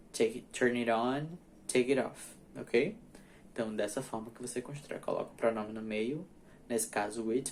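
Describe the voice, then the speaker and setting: A man teaching English grammar in a recorded class, patiently repeating examples slowly and checking that his students follow. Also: mid-range voice, a little mellow, slight background noise.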